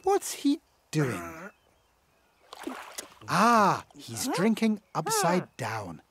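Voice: medium pitch, huge pitch swings, extremely slow, a crowd in the background. A narrator telling a children's cartoon story, expressively reacting aloud to the action with exclamations. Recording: music behind the narration. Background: music.

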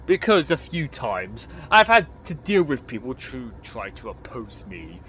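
Cold AI overlord for an audio play, pompous, threatening, varied in pitch, acted by a man. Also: sing-song, a little slow, fairly bright tone, a little hiss or hum. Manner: pompous, menacing. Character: ancient tyrannical ruler in an AI body, cold. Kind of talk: amateur audio play acting.

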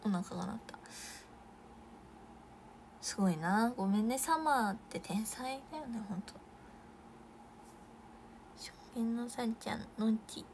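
Young woman, idol live stream chat, slightly high voice, gravelly, excitable, faint background hum. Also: a little slow, long pauses. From Japan. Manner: chatty, bursts into high excited exclamations and soft whispers. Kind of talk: casual live stream chat reading comments.

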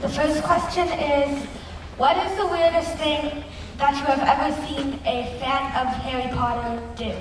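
A woman fan asking a question at a convention Q&A in a careful, deliberate way. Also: high voice, fairly even intonation. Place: large convention hall. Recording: echoey hall from far off with noise.

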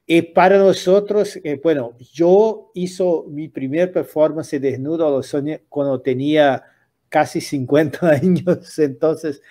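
A man's voice: a little high, a little slow, dark tone. An older man hosting a casual interview on a video call, hesitantly searching for his words as he puts questions. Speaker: interviewer and host. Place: indoor room lined with books. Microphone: computer mic on a video call.

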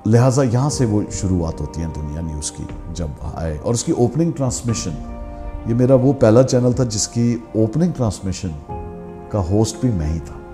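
Mellow-voiced man telling career stories. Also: fairly low pitch, moderate pace, soft background music. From Pakistan. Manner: animated storyteller, mixes English phrases into his speech. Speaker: media veteran recounting his career. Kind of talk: candid memoir conversation.

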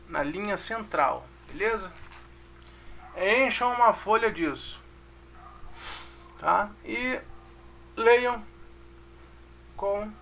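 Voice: medium pitch, vocal fry, bright, forceful tone. A music teacher with a Brazilian Portuguese accent, giving a casual online lesson, counting beats aloud and checking in with the class.

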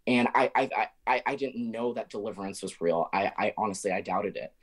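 A young man from Southern Illinois sharing a testimony on a video call, halting and restarting his sentences. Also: lowish voice, fairly even intonation, slightly rough. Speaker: Zoom caller sharing a testimony. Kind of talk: emotional personal testimony. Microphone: laptop webcam video call.

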